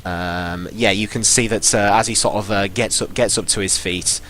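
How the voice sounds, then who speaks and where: A man narrating as game master of a live-streamed tabletop game, halting and full of fillers as he describes the scene. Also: on the low side, fairly even intonation, a bit bright, slight background noise. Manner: halting, full of ums and sort-ofs.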